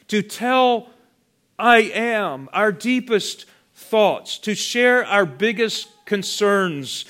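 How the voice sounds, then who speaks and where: A man preaching a sermon, slow and deliberate, letting his voice drop to a hush on key words. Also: high voice. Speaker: pastor.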